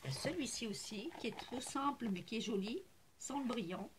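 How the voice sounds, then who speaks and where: Chatty high-voiced woman showing her craft haul. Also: animated, fairly quick, noisy background. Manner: chatty, hesitant with many fillers, gushing and repetitive. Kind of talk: casual chat to camera.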